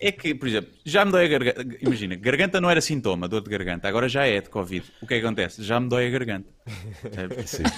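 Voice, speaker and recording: Talking very fast at a medium pitch, a man shows big swings in loudness and very wide pitch swings. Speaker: comedian. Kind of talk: casual chat.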